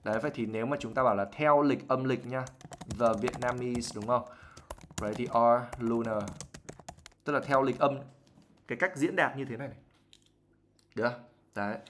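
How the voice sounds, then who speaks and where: A male English teacher explaining vocabulary in a relaxed, chatty way on a live lesson. He mixes English words into his explanations, reads passages from a novel aloud and acts out examples as he goes. His pitch sits in an ordinary middle range. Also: moderate pace, long pauses, slight background noise. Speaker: IELTS teacher.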